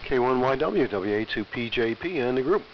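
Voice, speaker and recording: A man's voice: medium pitch, lively intonation, moderate pace. An American man, middle-aged and getting over a cold, chatting casually and plainly as a ham radio operator over shortwave AM. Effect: shortwave AM radio transmission. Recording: muffled, hissy shortwave radio reception. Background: faint static hiss.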